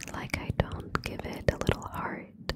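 A woman whispering in a gentle tone, dry with no echo, over loud background noise. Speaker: ASMR creator. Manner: gentle intimate whisper. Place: home room. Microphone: studio mic.

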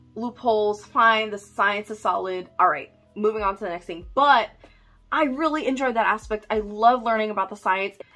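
Faint music sits in the background. Over it, a woman speaks at a fairly quick pace. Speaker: book reviewer. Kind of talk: casual vlog chat. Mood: mildly critical, ranty. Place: home room.

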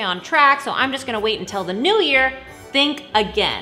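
A woman talks at a fairly quick pace in a raised, projected voice. Faint music plays in the background. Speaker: cooking channel host. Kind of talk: tutorial. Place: kitchen.

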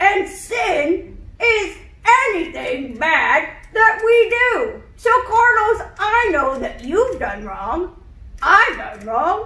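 This cartoonish character voice sits at an extremely high pitch. It moves at a very slow pace, and audible echo follows it. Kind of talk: children's church puppet show. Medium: puppet show. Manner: gentle, reassuring, teacherly.

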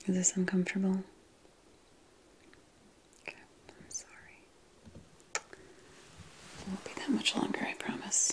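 A soft-spoken woman whispers in a gentle tone at a fairly slow pace, with long, frequent pauses. Her loudness swings widely over light background noise. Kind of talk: soft-spoken role-play exam. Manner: soft, gentle ASMR near-whisper. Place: home room.

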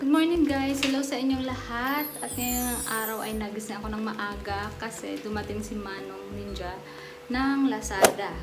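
A woman speaks at a fairly slow pace. Loud music plays behind her. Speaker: vlogger. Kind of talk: casual vlog chat. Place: home room. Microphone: phone near.

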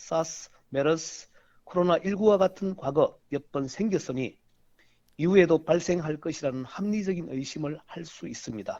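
An ordinary speaking voice moves at a fairly slow pace, with ordinary pitch variation and big swings in loudness. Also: man, fairly high pitch for a man. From South Korea, South Gyeongsang (Changwon). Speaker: provincial council member. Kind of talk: phone interview. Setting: phone call. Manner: formal.

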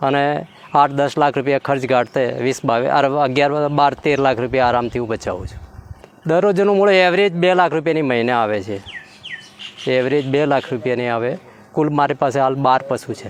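The background noise is noticeable. A man speaks with a fairly high voice and ordinary pitch variation. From India, Gujarat, Banaskantha district. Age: 50s. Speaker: dairy farmer. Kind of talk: interview testimony.

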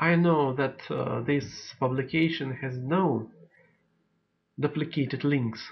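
Someone with a non-native accent speaks very slowly, leaving long, frequent pauses. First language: not English. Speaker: software demonstrator. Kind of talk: tutorial. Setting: screen recording. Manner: halting, with hesitations and fillers.

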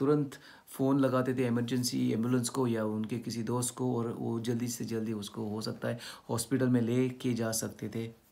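The man's intonation is monotone and flat, and his pace is fairly slow. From India, Goa; India. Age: 50s. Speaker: pastor. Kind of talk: informal sermon / video talk. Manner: halting, repetitive. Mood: sorrowful, earnest. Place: home room. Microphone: phone near.

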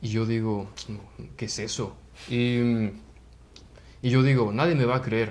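Speaking in a Mexico City accent, a man with a medium pitch keeps a fairly slow pace and fairly even intonation, with long, frequent pauses. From Mexico, Mexico City. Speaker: web programmer; guest. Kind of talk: storytelling interview. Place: home room. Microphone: lapel.

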